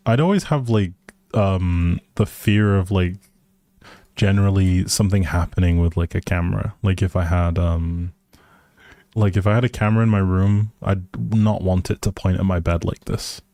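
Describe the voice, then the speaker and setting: Streaming a life simulation game, a man chats casually with his viewers, rambling in a friendly way as he thinks aloud. His voice is low, steady and dark, delivered at normal speed with no echo.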